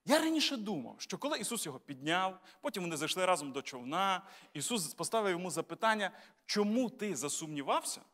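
A man with a high voice preaches a sermon, speaking to his congregation as friends and tossing them rhetorical questions. He keeps it conversational and slips in light jokes. His voice rings out with a long reverb tail from the church hall. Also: big pitch swings, fast talker, hardly any pauses, sharp tone. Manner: lightly humorous, tells jokes. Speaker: bishop preaching. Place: church sanctuary.

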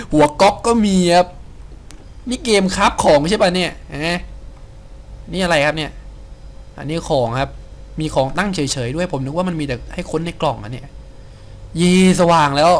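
A young man giving excitable Let's Play commentary, often exclaiming and laughing as he plays. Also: mid-range voice, a little hiss or hum. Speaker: game streamer.

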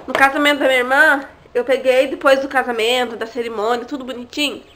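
Chatty high-voiced woman vlogging. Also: steady tone, fast talker, fairly bright tone, a little hiss or hum. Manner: chatty, asides to viewers, frequent tag questions. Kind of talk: casual chat to camera.

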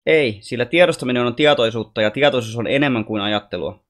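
A man voicing a wise, gentle alien boy who teaches calmly and patiently. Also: medium pitch, natural voice. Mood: gently teaching.

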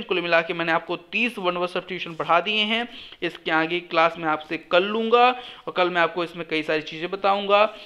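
A man's voice: high voice, a bit bright, highs cut off. A young man teaching an exam lesson in a classroom style, explaining step by step, asking his own questions and answering them, and repeating each answer. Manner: reads English phrases slowly, word by word.

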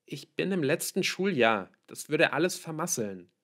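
A man's voice: a little high, sing-song, moderate pace, a bit bright, pitched above the performer's own voice, heavily acted. A man voicing a withdrawn, stubborn teenage girl in an audiobook, curt and defensive.

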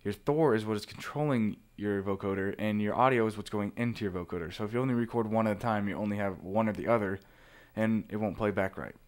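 A man with a fairly low voice presents a software tutorial. He talks casually and informally, walking through each step as he goes. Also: quick pace.

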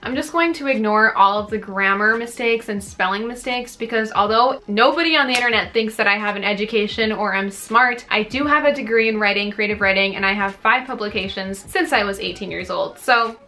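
A woman's voice: medium pitch, brisk, few pauses, bright, forceful tone. A woman in her twenties chatting casually as a video blogger, reading comments aloud and answering them with dry sarcasm. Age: 20s. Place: small bedroom, indoors.

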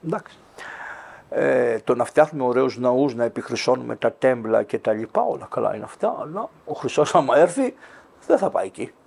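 A man's voice: medium pitch, lively intonation, vocal fry, a little mellow, husky. An older man, a Greek Orthodox priest, talking earnestly in an interview and telling stories with quoted dialogue. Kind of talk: interview answer, storytelling.

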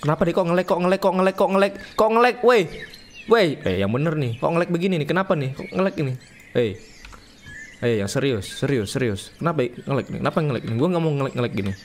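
A man's voice: a little high, expressive, quick pace, slight background noise. A young man, streaming a horror game with rowdy, joking, slangy commentary and reading the game's text aloud. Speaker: gaming streamer.

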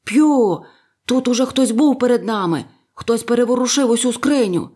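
A woman voicing a rough male pirate crewman, shouting alarmed reports in a storybook reading. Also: medium pitch, fairly even intonation, fairly quick, lightly acted.

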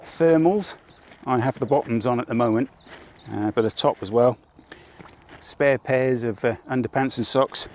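Wearing a lapel radio mic, an older British man vlogs about motorcycle travel from a campsite car park, showing off his motorcycle kit. The casual video begins with a mock advert, and he talks at normal speed in a medium pitch, chatty and wry with self-deprecating jokes. A little hiss or hum runs underneath.

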